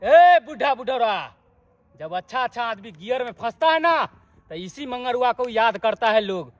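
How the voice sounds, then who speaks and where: A man's voice: very high voice, lively intonation, normal speed, no room sound. An actor playing a swaggering male gang leader with a Maithili accent, mocking and bossy.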